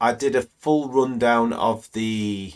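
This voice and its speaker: This is a man talking. He has a British accent. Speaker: stock trading educator. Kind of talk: live screen-share tutorial. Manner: casual, halting with repetitions.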